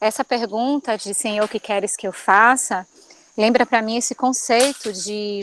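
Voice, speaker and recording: In a Bahian accent, a woman with a fairly high pitch speaks at a moderate pace with fairly even intonation, recorded dry and close with no echo. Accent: Bahian Brazilian Portuguese. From Bahia, Brazil. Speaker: participant in spiritist study group. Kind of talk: group discussion comment.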